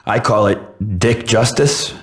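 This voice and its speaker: Guy doing easygoing hesitant henchman small talk for a game, slow, medium voice. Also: mid-range voice, natural voice. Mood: sheepish, casual. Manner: hesitant, casual.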